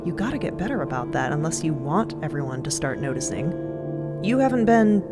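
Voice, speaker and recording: A probing ship's doctor in an audio drama. Her voice is deep for a woman and her manner dry, frank and questioning. Music runs loudly underneath. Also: very animated, brisk. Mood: frank concern.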